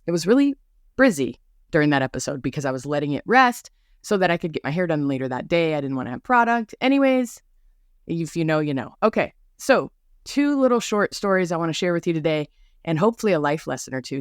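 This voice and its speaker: A woman's voice: low voice, very animated, brisk, no echo, studio quality. A woman hosting a podcast in a bubbly, chatty monologue full of asides, with a mild speech impediment on some R sounds. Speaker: podcast host. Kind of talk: casual rambling monologue.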